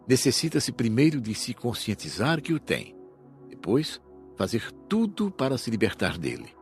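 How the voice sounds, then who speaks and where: Guy doing a patient wise mentor, lowish voice w lively intonation, audiobook teaching, faint music behind. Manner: didactic, deliberate. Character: wise, patient male spirit mentor giving counsel.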